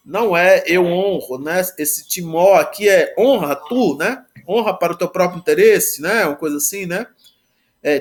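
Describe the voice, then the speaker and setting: A man teaching a Greek grammar lesson, talking haltingly with many restarts and a constant "né?" after each phrase. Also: fairly high pitch. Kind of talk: live online grammar lesson.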